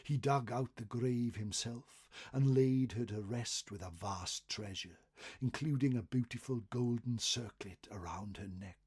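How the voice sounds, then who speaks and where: A man narrating folklore as a storyteller, expressive and dramatic, swelling on phrases and dropping to hushed endings. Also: mid-range voice, a little slow, breathy edge. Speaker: storyteller reading a folklore article.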